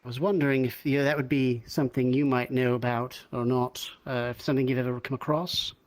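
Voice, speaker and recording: A roleplayer speaking in character in an improvised conversation, hesitant, halting and polite. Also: medium pitch, fairly even intonation, no echo. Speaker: roleplayer in a virtual reality game.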